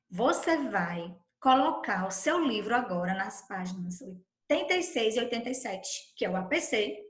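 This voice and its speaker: A Brazilian woman teaching a recorded lesson for young children, her voice a little high and very bright. She talks slowly and patiently in a sing-song way. The room around her is echoey. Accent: Brazilian Portuguese. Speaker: primary school teacher.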